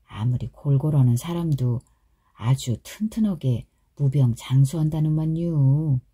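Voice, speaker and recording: A woman voicing a cheerful, chatty young village wife who speaks in a folksy, drawn-out Chungcheong dialect. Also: very deep voice, dark tone, husky, exaggerated voice. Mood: coaxing chatter. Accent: Chungcheong Korean dialect.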